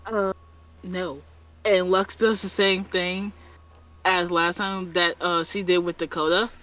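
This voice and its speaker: A woman's voice: on the low side, flat delivery, takes it slowly, fairly bright tone, recorded from a distance, lo-fi sound. A woman playing a tabletop game, speaking bluntly and straightforwardly. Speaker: player.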